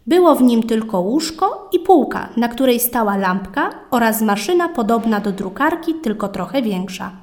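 A woman with a slightly high voice reads a children's story aloud. Her tone is calm and expressive, in the even rhythm of scripted storybook narration. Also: moderate pace, hardly any pauses.

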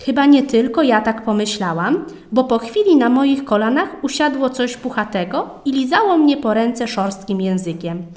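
A woman's voice: fairly high pitch, expressive, moderate pace, darkish tone. Woman reading a children's story. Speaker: narrator. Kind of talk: scripted storybook narration.

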